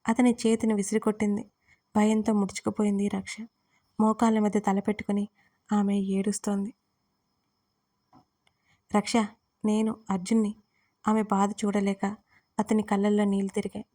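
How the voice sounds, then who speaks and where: A woman storyteller reading a scripted drama with calm, measured narration. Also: mid-range voice.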